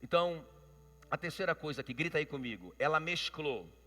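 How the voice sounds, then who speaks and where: A man's voice: a little high, lively intonation, fast talker, fairly bright tone. A man with a Brazilian Portuguese accent preaching a sermon, emphatic and calling out to his congregation. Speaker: pastor. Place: church. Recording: long church reverb.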